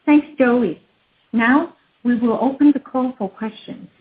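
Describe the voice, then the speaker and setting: A woman's voice: fairly high pitch, a little slow. A woman moderating a corporate conference call with brief scripted directions. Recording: thin, narrow phone-like sound.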